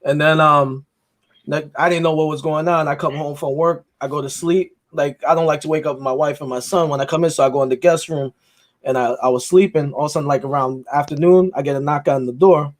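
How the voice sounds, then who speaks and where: A man's voice: fairly high pitch, fairly even intonation. A man hosting a wrestling podcast, trading jokes and telling stories in casual chat. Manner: joking, storytelling, drawn-out intros. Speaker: podcast host.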